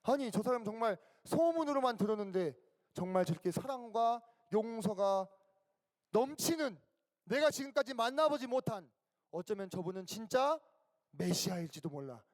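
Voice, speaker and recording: A man's voice: high-pitched, lively intonation, moderate pace. A man voicing a repentant robber who speaks in an earnest, wondering way. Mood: amazed. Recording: echoey hall.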